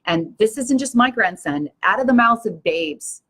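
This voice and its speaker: In a fairly high, sing-song voice that's a bit bright, an older show host talks to her live-stream viewers at a moderate pace. She's earnest and passionate, preaching in a rousing way.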